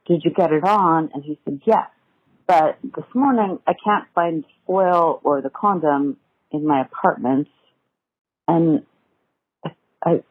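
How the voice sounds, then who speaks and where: Over a narrow, tinny phone line with some room echo, a woman speaks as a caller to an advice show. Her voice is husky, and she tells her story casually, pausing and hesitating as she goes. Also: lowish voice. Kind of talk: casual, personal voicemail account.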